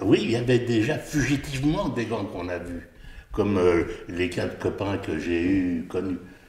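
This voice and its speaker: Noticeable background noise behind a man with a very deep, low pitch. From Spain. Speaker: war veteran. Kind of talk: testimony to students. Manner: casual, colloquial.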